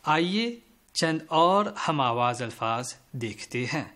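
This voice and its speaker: A man teaching a school lesson to children, speaking slowly and spelling out words letter by letter as he addresses the pupils directly. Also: medium pitch, animated, sharp tone. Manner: slow, careful spelling out of letters.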